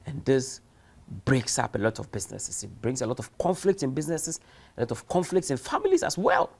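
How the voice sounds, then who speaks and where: Very animated and brisk, this man's mid-range voice is husky and darkish with some vocal fry. He is giving a recorded distance-learning lecture at a university, pressing his points emphatically through rhetorical questions and examples he acts out.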